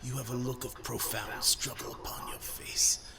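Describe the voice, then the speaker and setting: A man voicing an evil talking skull in a video game, a pompous, gloating villain with a breathy, whispery, theatrical and sneering delivery. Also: medium pitch, level tone, normal speed, close to an everyday voice. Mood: smug sarcasm. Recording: echoey, distant, crowd-like noise behind.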